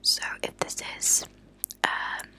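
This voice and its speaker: A woman hosting ASMR, speaking in a soft, breathy, unvoiced whisper with a hushed, deliberate delivery and pauses. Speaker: ASMR channel host. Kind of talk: whispered ASMR true-crime reading. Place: at a desk indoors.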